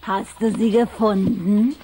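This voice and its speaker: A woman's voice: medium pitch, fairly even intonation, slow, warm tone, slightly rough, low-quality recording. A woman playing a vain, haughty, coquettish vampire girl with an affected, theatrical delivery in a children's audio drama. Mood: coy.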